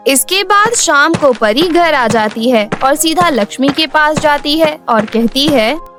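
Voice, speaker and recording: A woman's voice: high-pitched, expressive, unhurried, music in the background. A woman storyteller reading scripted narration for a cartoon fairy tale.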